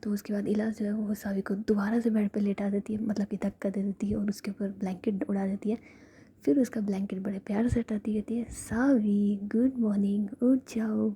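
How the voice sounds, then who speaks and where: A woman narrating a story in a soft, steady whisper. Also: mid-range voice, a little fast, slight background noise.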